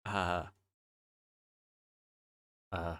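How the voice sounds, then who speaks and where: A man livestreaming in casual chat, with a halting, repetitive and scattered way of talking. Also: deep voice, little pitch movement, a bit bright, no echo, clean studio sound.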